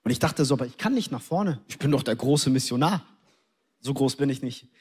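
A young adult man from Germany preaching a sermon, telling a personal story with lively acted-out scenes and English interjections. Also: mid-range voice, brisk, husky.

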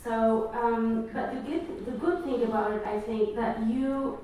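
A woman from Tunisia reflects thoughtfully as a panelist. Her voice is higher and mellow. She sounds distant in a very echoey hall with a faint hiss underneath. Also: steady tone, measured pace. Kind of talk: panel discussion.

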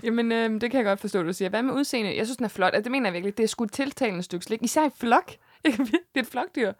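A woman's voice: fairly high pitch, no echo, studio quality. A young woman, co-hosting a casual podcast in a playful way and swearing freely. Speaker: podcast co-host. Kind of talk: casual chat, candy review.

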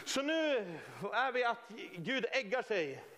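A man preaching a lively, informal sermon in a church hall, joking and acting out scenes. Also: very high voice, slight background noise.

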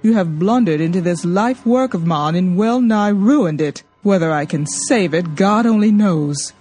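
A woman reader voicing a firm, steady older schoolteacher with plain common sense. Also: fairly low pitch, measured pace, husky, soft background music. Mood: stern rebuke. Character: stern, calm older woman teacher.

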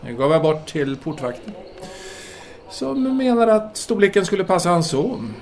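Higher-voiced, lecturing philosopher lover. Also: male voice, sing-song, a little mellow, a little hiss or hum. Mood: eager, relieved. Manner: discursive, lecturing, deliberate. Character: intellectual French philosopher, earnest, pedantic, longing lover. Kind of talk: audio drama letter monologue and dialogue.

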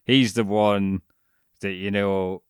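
A man's voice: fairly low pitch, little pitch movement, slow, smooth, no echo, clean studio sound. A man co-hosting a podcast, rambling through a casual chat about a documentary with frequent restarts, fillers and the odd swear word. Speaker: podcast co-host.

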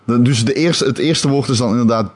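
Husky man in casual game podcast talk. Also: mid-range voice, a little fast. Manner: animated, swearing casually, hesitant restarts. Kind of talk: casual chat.

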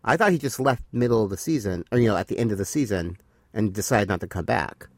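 A man's voice: lowish voice, quick pace, no echo, studio quality. A man co-hosting a casual podcast, rambling through an episode recap with many fillers. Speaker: podcast co-host. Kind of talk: casual chat reviewing a TV episode.

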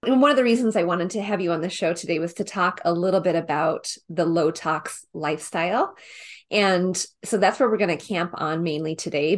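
Upbeat woman podcast host, lowish voice. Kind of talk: casual podcast interview.

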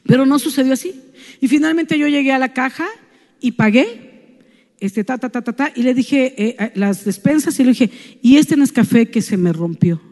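A woman's voice: sits high, lively intonation, normal speed, mellow, in a large hall. A woman with a Mexican Spanish accent, speaking in a church and telling a personal story within a sermon, chatty and tagging her sentences with "¿no?".

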